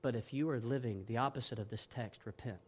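A man's voice: medium pitch, quick pace. Earnest male pastor preaching. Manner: earnest, swings between hushed and emphatic. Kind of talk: sermon.

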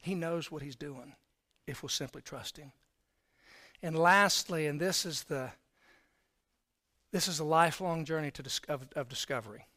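Preacher guy, kinda high voice, chatty storytelling sermon, gets quiet then loud. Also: normal speed, long pauses. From Texas, raised in Florida. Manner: conversational, swings from quiet to loud emphasis.

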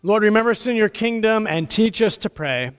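A man's voice: high voice, animated, brisk, clean tone, faint music behind. A man with an American accent, a pastor solemnly leading formal prayers and liturgy in a church service. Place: large church interior during a service. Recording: echoey hall with long reverb.

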